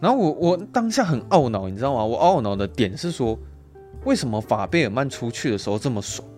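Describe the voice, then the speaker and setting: A podcast co-host with a medium-pitched, slightly mellow voice talks fast and very animatedly in a casual film chat, laughing often, swearing now and then, and acting out quotes. Soft music plays in the background.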